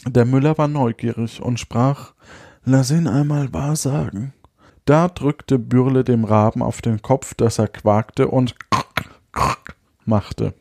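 Slow, mellow-voiced man reading a fairy tale. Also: medium pitch, steady tone, creaky, no echo, clean studio sound. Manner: unhurried, chuckles and adds asides. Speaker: storyteller.

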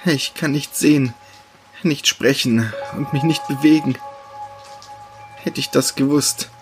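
Man, horror story narrator, hushed, slow and deliberate, pauses for effect, music behind. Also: mid-range voice. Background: background music.

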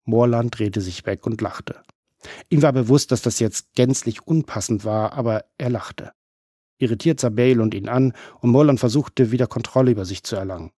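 A man's voice: mid-range voice, moderate pace, warm tone, no echo, studio quality. Man reading a crime novel aloud. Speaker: audiobook narrator. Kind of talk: scripted crime-novel narration.

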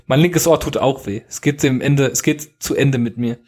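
A man's voice: medium pitch, normal speed, a little mellow. A man co-hosting a casual podcast from home, reading listener mail aloud and chatting in a teasing way. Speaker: podcast co-host.

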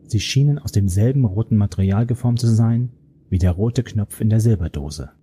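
A man reading a first-person audiobook in a steady, grave manner. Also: lowish voice, moderate pace, husky. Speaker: narrator.

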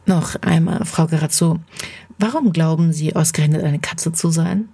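A woman's voice: deep voice, moderate pace, vocal fry, mellow, breathy edge, exaggerated voice. A woman reading the part of a male psychologist who questions his patient in an insistent, lecturing way.

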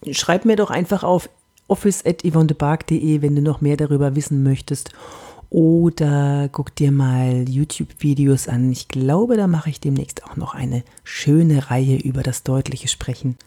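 A woman from Franconia hosting a coaching podcast, animated and emphatic, with whispered asides. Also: deep voice, moderate pace, breathy edge. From Franconia, Germany. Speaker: podcast host and body-language coach.

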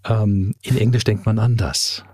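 A man in his forties, raised in Canada and speaking with a slight tinge, answers interview questions thoughtfully, with pauses and fillers. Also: lowish voice, steady tone, darkish tone, no room sound, clean studio sound. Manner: thoughtful, hesitant, many fillers. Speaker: podcast guest.

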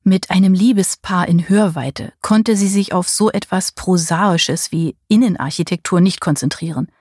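Frau liest ne geschichte vor, eher tiefe stimme, ganz trockener klang. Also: female voice, lowish voice, normal speed, darkish tone, breathy edge, no echo, clean studio sound. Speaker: audiobook reader. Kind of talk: scripted narration.

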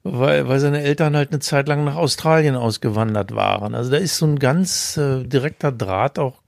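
A man's voice: mid-range voice, moderate pace, creaky, a little mellow, no echo, studio quality. A man in his sixties co-hosting a podcast, explaining things thoughtfully at length. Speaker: podcast co-host. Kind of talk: casual conversation.

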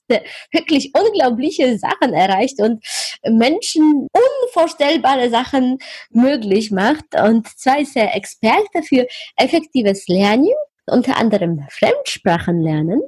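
A woman born in Poland hosting an interview podcast, speaking lively conversational German, laughing often and searching for words now and then. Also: high voice, husky, no echo. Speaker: podcast host.

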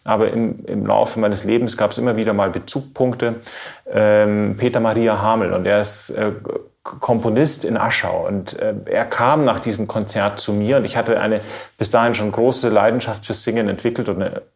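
A man from Bavaria, a trained baritone, giving reflective, measured interview answers and searching for his words. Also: steady tone, vocal fry. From Bavaria, Germany. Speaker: classical baritone singer being interviewed.

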